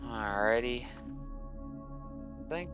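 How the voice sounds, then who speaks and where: A man's voice: medium pitch, animated, very slow. A man playing a tabletop roleplaying game, chatting casually and talking through his options tentatively, on dull audio. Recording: dull lo-fi audio under music.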